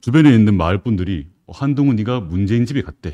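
A man with a dark, mellow tone talks at a fairly quick pace, his pitch swinging very widely over a quiet background. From South Korea. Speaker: YouTuber and activist; talk show guest. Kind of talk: interview. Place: studio. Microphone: studio mic.

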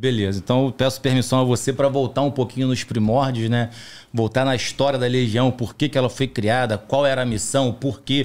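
An unremarkable speaking voice moves at a moderate pace with very even loudness and fairly even intonation. The recording is very clean, with a silent background. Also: man, medium pitch for a man. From Brazil. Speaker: former French Foreign Legion soldier. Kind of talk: podcast interview.

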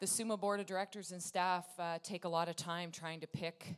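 Moderate pace from a woman in a quiet setting. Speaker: session host. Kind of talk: opening remarks to an audience. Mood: friendly, light joking. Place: hall. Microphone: podium.

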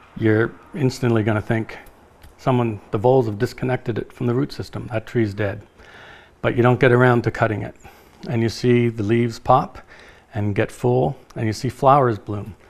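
Fairly even in intonation, a man speaks at a moderate pace. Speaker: presenter. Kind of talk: lecture. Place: kitchen.

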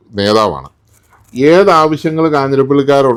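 Here a man talks at a medium pitch. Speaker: YouTube channel host. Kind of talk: interview.

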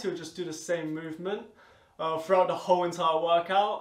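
A man with a high-pitched voice speaks in a room with audible echo. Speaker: fitness vlogger. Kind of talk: casual vlog chat. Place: garage. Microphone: camera far.

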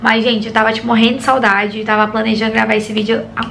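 The hoarse voice races along at a very fast pace over light background noise. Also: woman. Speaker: vlogger. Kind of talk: casual vlog chat. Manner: hoarse, weakened voice. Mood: warm, chatty. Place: home room. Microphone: phone near.

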